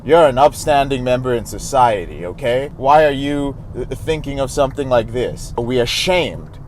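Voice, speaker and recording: A man's voice: mid-range voice, expressive, normal speed, darkish tone. A man coaching his viewers in a direct, earnest monologue. His voice sits in a mid range, and he speaks frankly as if to brothers. Faint car and street noise runs under the recording. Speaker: recovery coach. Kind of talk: direct-to-camera advice monologue.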